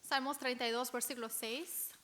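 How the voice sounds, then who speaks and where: A woman interpreting a sermon phrase by phrase in a church, measured and careful. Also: sits high, steady tone, a bit bright. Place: church sanctuary.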